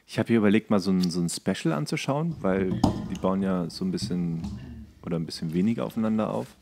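A man's voice: low voice, a little fast, creaky, darkish tone, a little hiss or hum. A young man chatting casually as a podcast co-host and commenting on a show as he watches.

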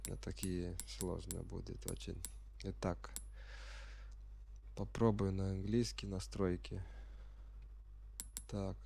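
A sick man speaking as a non-native speaker, giving halting, unsure commentary as he plays a game for the first time and reads the menus aloud. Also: sits low, vocal fry, mellow, slightly rough. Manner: reads game menu text aloud while puzzling over it. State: sick with a virus. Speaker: gamer playing on camera.

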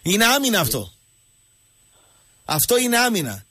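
A man hosting a radio show, telling jokey stories and talking with callers in an animated way. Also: sits high, breathy edge, dry recording. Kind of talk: casual radio talk.

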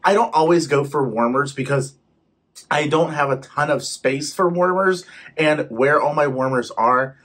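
A man's voice: fairly high pitch, a bit bright, slightly rough. A young man chatting casually as he reviews home fragrance products, talking with his hands at a desk in his living room. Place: living room with shelves behind.

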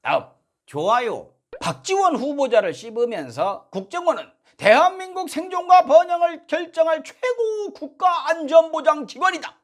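A man's voice: very high-pitched, very animated, moderate pace. A man in his speech, hosting a satirical political monologue. He is sarcastic and mock-polite, indignant outbursts. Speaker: political commentary host.

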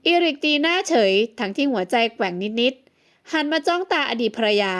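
A woman narrating an audio novel in an even, measured storytelling manner. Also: high-pitched. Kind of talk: scripted narration.

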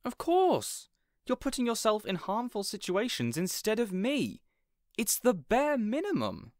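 A man's voice: sits high, wildly swooping pitch, a little slow, dry recording, studio quality, full character voice. A man playing a considerate, awkward supervillain boss in an audio roleplay, conversational and a bit hesitant. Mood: sympathetic, reasoning. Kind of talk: audio roleplay drama acting.

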